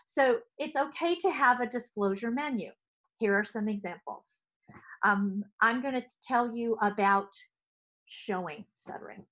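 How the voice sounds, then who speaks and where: A middle-aged woman, a speech therapist, presenting to fellow clinicians from her office, talking with lively hand gestures into a headset mic. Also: fairly high pitch, unhurried, low-quality recording. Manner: animated, gesturing with both hands. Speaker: speech-language pathologist. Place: home office.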